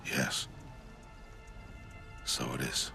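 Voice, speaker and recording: An actor voicing a stern, dutiful older tribal outcast and adoptive father in a video game, speaking in a grave, measured, formal way. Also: pushed and bright, soft background music, exaggerated voice. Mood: quiet, resigned. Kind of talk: video game dialogue acting.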